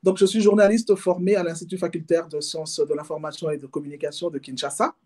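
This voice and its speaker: A woman's voice: deep voice, steady tone, quick pace, dark tone. A woman with a Congolese accent, telling her own story casually as an interview guest, hesitating and rephrasing as she explains. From Democratic Republic of the Congo. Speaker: interview guest, handbag maker. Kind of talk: casual autobiographical interview talk.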